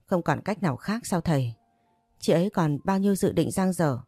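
A woman's voice: on the low side, expressive, normal speed, mellow, husky, no echo, soft background music. A woman voicing a tearful older woman who laments in grief, in a storybook reading.

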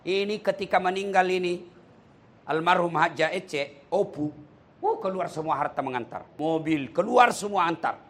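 A male preacher with a high voice delivers a sermon at a moderate pace. He tells stories animatedly and puts rhetorical questions to the congregation.

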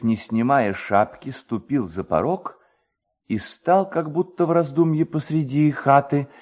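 A man narrating a literary tale as an expressive storyteller. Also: medium pitch.

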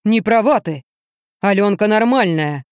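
A woman voicing a heavy-set, slow-witted man who drawls and grumbles in a lower voice. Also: lively intonation, a little mellow, smooth, dry recording, studio quality, lightly acted. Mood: slow grumbling.

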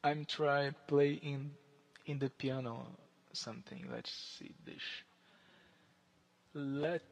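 Halting man, gravelly. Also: a little high, fairly even intonation, low-quality recording. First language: Portuguese. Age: 30s. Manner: halting, searching for English words. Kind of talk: casual chat with online stranger.

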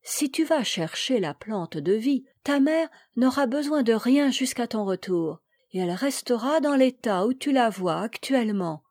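A woman voicing a gentle, kindly fairy who speaks softly and calmly in a storybook. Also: a little high, unhurried, few pauses, no echo, studio quality. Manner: soft, calm.

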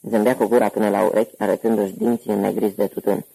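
A man narrating an audiobook in steady, even scripted storytelling. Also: on the low side, vocal fry, breathy edge, poor audio.

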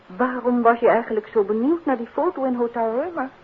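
Genteel detective's wife, vintage radio. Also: female voice, fairly high pitch, animated, a little fast, breathy edge, narrow, tinny audio. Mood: curious, chatty. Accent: Netherlands Dutch. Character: detective's attentive, questioning wife, genteel and polite. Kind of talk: 1950s Dutch radio drama acting. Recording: band-limited, noisy 1950s radio recording.

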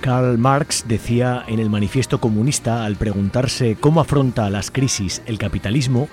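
A man's voice: medium pitch, normal speed. A man with an accent from Spain reading a scripted editorial as a radio presenter. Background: music under the voice.

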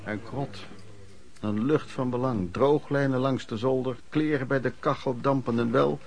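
A man's voice: medium pitch, fairly even intonation, unhurried, creaky. An actor playing an embittered working-class man who recounts his miserable youth in a colloquial radio play monologue. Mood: matter-of-fact. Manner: colloquial, emotional storytelling with repetitions. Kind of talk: Dutch radio play narration, reminiscing monologue.

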